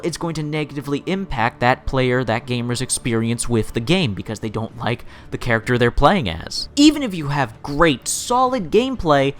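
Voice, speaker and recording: A man's voice: medium pitch, fairly bright tone. A man hosting a gaming commentary show, giving his opinions emphatically and building up repeated phrases for stress. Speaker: host of a video game commentary show.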